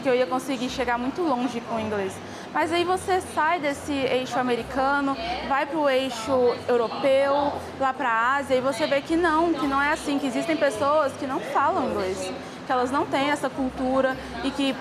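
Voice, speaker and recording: A young woman with a high voice talks earnestly and eagerly in an interview. Clear background music plays under her words. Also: rough recording. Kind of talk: casual interview testimony.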